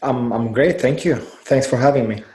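A man, a coach telling his story as a guest in a casual interview, halting and trailing off quietly. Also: medium pitch. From Lebanon. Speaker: guest, life and business coach.

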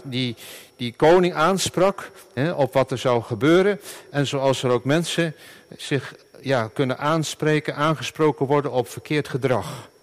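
A middle-aged man, a pastor, preaching a sermon in an earnest, halting way with many fillers and restarts. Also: medium pitch.

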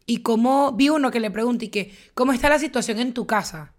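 A woman's voice: fairly high pitch, fairly quick. A young woman from Venezuela with a Venezuelan Spanish accent, co-hosting a podcast in casual chat and telling stories with lots of emphatic slang. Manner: animated, emphatic storytelling with slang. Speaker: podcast co-host.

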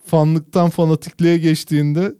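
A man with a high voice chats casually and drags out his words for comic effect as he tells a story. The sound is dry and close, with no room around it. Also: little pitch movement, normal speed, dark tone, clean tone, no echo. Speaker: podcast co-host. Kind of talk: casual chat.

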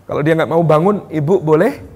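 A man from Yogyakarta preaches on parenting to an audience in a hotel function room, with a somewhat high voice. He talks in a lively way and slips into short parent and child exchanges. His voice rings with a long hall echo. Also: fairly quick, husky. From Yogyakarta, Indonesia. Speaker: Islamic preacher. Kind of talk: religious parenting talk to an audience. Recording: echoey hall sound.

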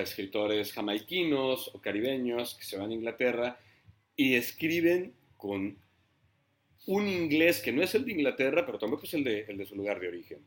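A man, a writer on a panel, speaking in a reflective, halting way, often repeating words and clearing his throat. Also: medium pitch, fairly bright tone.

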